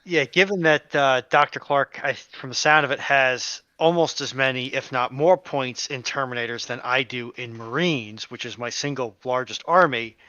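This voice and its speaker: A man with a smooth, bright voice speaks as a panellist in a casual chat. He is measured and careful to qualify his points, and the sound is dry and a little muffled by a lo-fi microphone. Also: mid-range voice, dry recording. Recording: slightly dull, lo-fi microphone sound.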